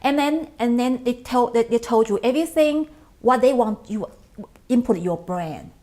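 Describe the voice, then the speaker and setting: A middle-aged woman from Taiwan, an English speaker who talks in halting sentences with many restarts as an interview guest. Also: a little high, dark tone. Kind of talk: interview conversation.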